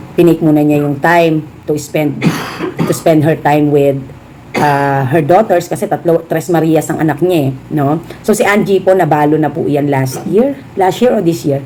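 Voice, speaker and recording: Talking to her viewers in a low, warm voice, this Filipino vlogger and small shop owner mixes Tagalog with English and frequently ends with "no?". She is feeling a little under the weather, and a faint hiss or hum runs under the casual chat.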